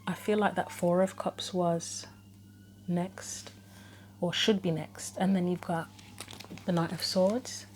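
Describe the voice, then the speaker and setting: Speaking slowly and pausing often, she has a fairly low, darkish voice with a steady tone, and there is slight background noise. She is hosting her own channel with a casual tarot reading, working through possibilities aloud while her throat troubles her and her voice starts to go.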